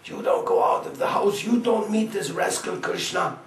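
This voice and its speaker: A man doing shrill bossy old women guardians. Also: moderate pace, slight background noise, close to an everyday voice. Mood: bossy scolding. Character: two scolding older women guarding the heroine. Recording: roomy, distant mic, faint ambience.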